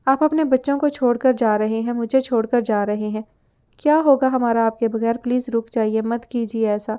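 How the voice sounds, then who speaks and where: A woman's voice: fairly high pitch, steady tone, clear, resonant tone, natural voice. A woman voicing a desperate, tender mother of two in an audio story, pleading and tearful. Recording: narrow phone-like sound.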